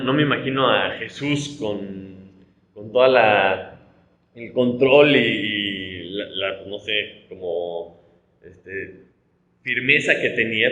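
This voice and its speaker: A man's voice: mid-range voice, fairly bright tone, reverberant, low-quality recording. A man from Mexico with a Mexican Spanish accent, a pastor teaching a conversational Bible study, explaining with rhetorical tags and frequent restarts.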